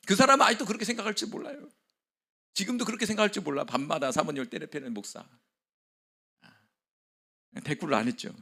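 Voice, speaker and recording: A man preaching a sermon as pastor, conversational, laughing often and dropping to quiet whispered asides. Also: high-pitched, normal speed, long pauses, slightly rough.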